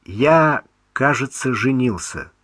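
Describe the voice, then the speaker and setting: Male narrator as a wry affectionate son, bright clear voice, unhurried, dry sound. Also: mid-range voice, lively intonation, no room sound. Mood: ironic, soothing.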